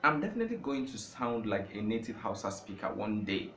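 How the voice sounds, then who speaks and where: In an echoey room with faint background noise, a man speaks on the low side with big pitch swings, fairly quickly, in a bright, forceful tone. He is a Nigerian language teacher and native Igbo speaker giving an informal talk about language learning, stressing points through repetition and rising to impassioned peaks.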